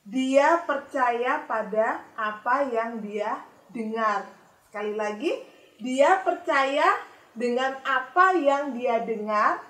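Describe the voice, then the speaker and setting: High-voiced woman telling kids a Bible story. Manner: expressive, addresses children directly. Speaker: children's ministry storyteller. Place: church room. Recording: echoey room from a distance.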